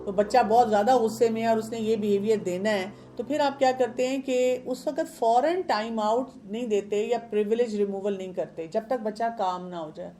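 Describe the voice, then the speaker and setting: A woman's voice: on the high side, hardly any pauses, warm tone, faint music behind. A woman with a Pakistani Urdu accent, a parenting expert who explains with everyday examples and questions, mixing English words into her talk.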